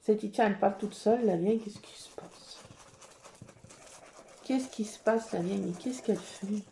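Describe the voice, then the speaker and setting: A woman's voice: medium pitch, moderate pace, creaky, warm tone, a little hiss or hum, lightly acted. A woman voicing her grumpy cat, who mutters scornfully about its old owner. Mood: grumbling.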